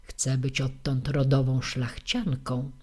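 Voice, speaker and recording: A woman voicing a greedy, scolding old peasant wife who shouts insults at her husband. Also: rumbling low, little pitch movement, slow, husky, full character voice.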